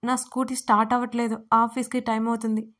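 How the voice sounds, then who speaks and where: A woman's voice: on the high side, level tone, fast talker, a bit bright, natural voice. A woman voicing a playful, childlike young woman who is dramatic and blurts things out, in a storybook reading.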